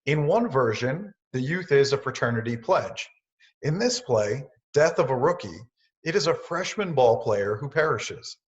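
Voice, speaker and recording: A man reading a scripted introduction to a play in an even, formal way. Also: mid-range voice. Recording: dull lo-fi sound.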